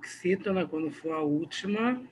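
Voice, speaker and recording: A man's voice: sits high, animated, normal speed, a little hiss or hum. A man teaching a recorded grammar video lesson with a Brazilian Portuguese accent, explaining patiently and often checking in with his students.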